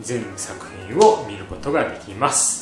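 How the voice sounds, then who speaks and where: A man speaks with audible room echo around him. Clear music plays in the background. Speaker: flower design instructor. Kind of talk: video host introduction. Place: home room.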